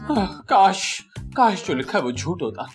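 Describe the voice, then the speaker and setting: A man's voice: sits high, big pitch swings, measured pace, soft background music. An actor playing a cheeky, clownish young man with a Pakistani Urdu accent, blurting his lines with comic exclamations. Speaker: young relative. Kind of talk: sitcom acting.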